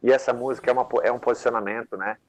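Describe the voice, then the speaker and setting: The recording is dry and poor, capturing a medium-pitched, steady-toned man talking rapid-fire. He's a songwriter on a live panel, chatting loosely about his work with many fillers in rambling, casual interview talk.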